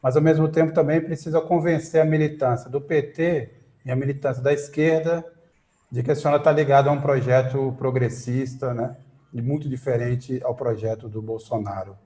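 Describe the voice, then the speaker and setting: A man's voice: medium pitch, fairly even intonation, moderate pace, warm tone. A man hosting a political interview, reading a scripted introduction and then asking long questions with many fillers. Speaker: interview host. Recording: echoey room.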